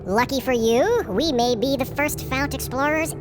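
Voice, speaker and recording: A woman's voice: sits high, normal speed, noisy background, lightly acted. A woman playing an eager, curious cosmic explorer in an audio drama.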